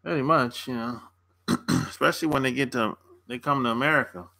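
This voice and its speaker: A man's voice: medium pitch, brisk, bright, forceful tone. A man hosting a casual livestream, answering viewer comments in a laid-back, slangy way and laughing often between remarks. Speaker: dating coach and channel host.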